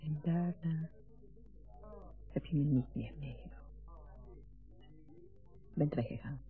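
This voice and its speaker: An actress playing a wistful, reproachful grown daughter with a husky voice in a naturalistic radio drama. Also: female voice, low-pitched, measured pace. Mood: wistful, hurt. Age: adult. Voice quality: husky, breathy. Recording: dull lo-fi radio recording with music.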